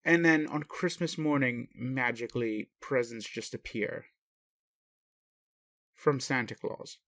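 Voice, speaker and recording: A man playing a gentle, puzzled alien daddy in an intimate roleplay audio, indulgent and bemused, with questioning hesitations. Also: medium pitch, slow pace, creaky, no echo, studio quality. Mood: baffled. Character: gentle, puzzled alien daddy, adult male spaceship commander. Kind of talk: intimate roleplay audio, speaking to one listener.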